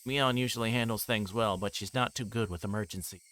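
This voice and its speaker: A man livestreaming a visual novel, reading its text aloud and breaking into casual, rambling commentary as he thinks out loud. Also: fairly low pitch, brisk, slight background noise.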